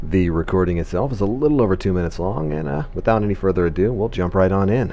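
A man's very deep, low voice at a very fast pace with hardly any pauses, ordinary pitch variation and noticeable background noise. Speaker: voice actor. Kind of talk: casual talk to camera.

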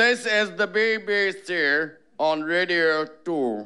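Using a put-on character voice, a man talks at a very slow pace in a high pitch with lively intonation. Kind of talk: formal, clipped broadcast.

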